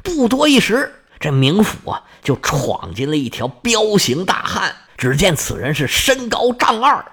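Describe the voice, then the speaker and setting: Husky, lively male storyteller. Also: sits high, measured pace. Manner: lively, colloquial, dramatic. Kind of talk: traditional oral storytelling of a myth.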